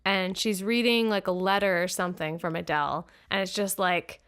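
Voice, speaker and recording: A woman's voice: lowish voice, steady tone, normal speed, a bit bright, clear, resonant tone. Woman cohost, laid back, laughs a lot, says like all the time. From United States. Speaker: podcast co-host. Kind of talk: casual chat. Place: apartment living room. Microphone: new podcast microphone.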